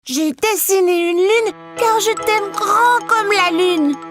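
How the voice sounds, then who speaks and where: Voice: very high-pitched, takes it slowly, music in the background, exaggerated voice. A performer voicing a cheerful, curious four-year-old boy in a children's cartoon, innocent and eager. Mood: loving.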